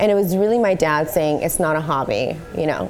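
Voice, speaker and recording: Fairly quick speech from a woman, with noticeable noise in the background. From born in Ukraine, raised in US from age six. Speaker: hairdresser and salon owner. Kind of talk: live podcast interview. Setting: live recording with audience.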